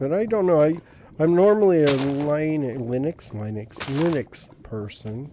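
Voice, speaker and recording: Quiet speech comes through over noticeable background noise. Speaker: gaming video creator. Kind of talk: casual gameplay commentary. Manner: quiet and chill; rambling, hesitant with restarts.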